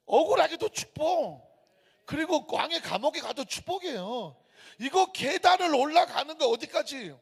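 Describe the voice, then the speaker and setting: Fifties pastor preaching hard, high voice, lively up and down, rings in a big church hall. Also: male voice. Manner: emphatic, rhetorical questions, storytelling. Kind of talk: sermon. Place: church sanctuary. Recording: long church-hall reverb.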